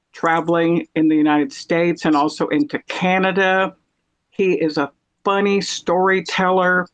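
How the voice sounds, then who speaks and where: A woman's voice: on the low side, lo-fi sound. A woman hosting a podcast in a casual, conversational style of chat. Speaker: podcast host.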